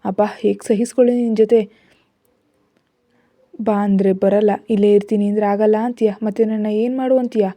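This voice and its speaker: A woman's voice: medium pitch, fairly even intonation, normal speed, long pauses, warm tone, no room sound, natural voice. A woman voicing an exasperated young husband in a storybook reading, with a teasing, pleading manner.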